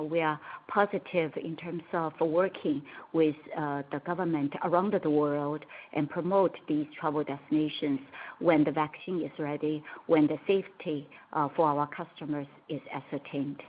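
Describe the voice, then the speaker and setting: A woman with a very low voice comes through a narrow, tinny phone line. She is a company executive giving answers on an earnings call, in a measured way that halts between short phrases. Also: steady tone, a little hiss or hum.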